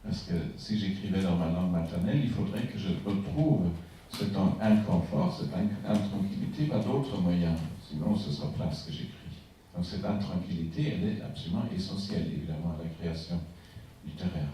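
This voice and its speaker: A man whose first language is German, a writer speaking reflectively on a panel in a conference hall, pausing to search for words. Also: sits low, warm tone, slight background noise. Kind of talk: panel discussion. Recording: echoey hall from far off.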